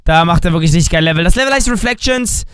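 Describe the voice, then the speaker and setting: Young male gaming YouTuber, high, smooth voice, dry from a cold, jokey let's-play commentary. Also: no echo. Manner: excitable, jokey, switches between shouts and drawn-out slow words.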